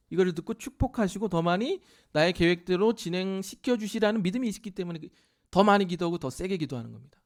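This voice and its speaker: A man preaching a sermon as pastor, explaining scripture and acting out quoted voices with animated delivery. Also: sits high. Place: church sanctuary.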